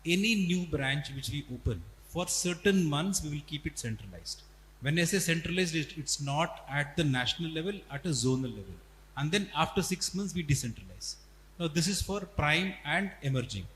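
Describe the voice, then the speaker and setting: Indian guy exec on earnings call, higher-ish voice, explains stuff step by step, really echoey room. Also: animated, normal speed, a bit bright. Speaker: company executive answering analysts. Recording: echoey reverberant hall, faint noise and hum.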